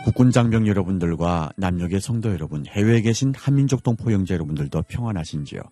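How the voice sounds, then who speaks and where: A man with a North Korean accent hosts a scripted Christian radio broadcast, speaking in a formal, earnest and measured preaching manner. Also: low-pitched, animated. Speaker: radio host and missionary. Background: music.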